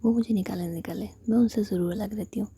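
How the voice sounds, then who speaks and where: A moody young woman, whispered by a woman storyteller, complains in a breathy, husky voice. Her tone is dark and soft, and she grumbles steadily. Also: medium pitch, steady tone, fast, no room sound. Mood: grumbling.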